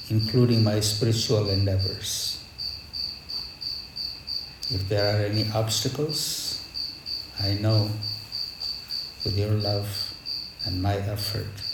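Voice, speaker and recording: Slow, reverent man preaching in an echoey space. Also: fairly low pitch. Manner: reverent, measured, reflective, with deliberate pauses. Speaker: spiritual teacher leading a devotional gathering. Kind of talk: devotional Hindu sermon with prayer. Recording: echoey space with background noise.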